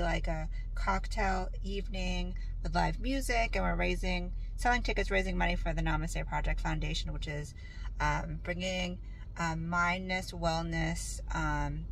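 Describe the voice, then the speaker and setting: A woman vlogging about her busy day while fighting a cold, slightly hoarse, talking in a chatty, rambling way with plenty of fillers. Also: on the low side. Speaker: vlogger and makeup artist. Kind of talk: casual vlog chat. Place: outdoors on the street and in her car. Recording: noisy street and car background.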